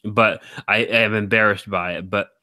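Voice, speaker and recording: Man, deep baritone, tired, rambling, teasing, bright tone, dry close sound. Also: steady tone, moderate pace, no room sound. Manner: rambling, teasing, laughs often. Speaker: stream host. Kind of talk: casual chat.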